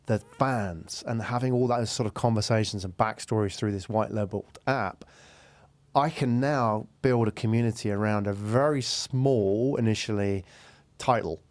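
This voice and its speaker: A man's voice: fairly low pitch, normal speed. A man hosting a conversational business podcast interview in a studio, often checking agreement as he talks.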